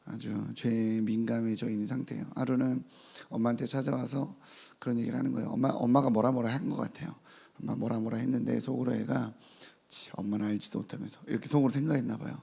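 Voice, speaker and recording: Gravelly, husky male pastor preaching. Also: mid-range voice. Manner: slow, measured scripture reading, then relaxed anecdotal storytelling. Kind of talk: early-morning sermon. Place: church sanctuary with congregation.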